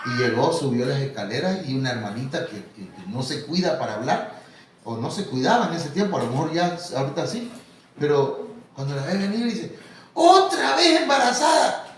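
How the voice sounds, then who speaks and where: In a church hall, a man with a Mexican Spanish accent preaches a sermon in a relaxed, storytelling style, calling his listeners "hermano" as he shares anecdotes. His medium-pitched voice is expressive and a little fast. The recording sounds distant and echoey, with faint noise.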